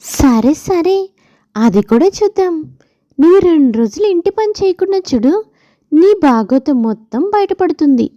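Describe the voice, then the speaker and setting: A woman's voice: high voice, expressive, normal speed, dark tone, no room sound, dull audio. A woman voicing a bossy, scheming divorced friend in a story, insistent and goading as she gives advice. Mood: insistent warning.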